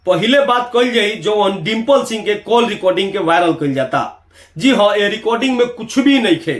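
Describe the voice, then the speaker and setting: A man's voice: high-pitched, fairly bright tone, roomy sound. A man with a Bihari Bhojpuri accent giving emphatic, opinionated video commentary, addressing viewers with rhetorical flourishes. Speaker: YouTube commentator.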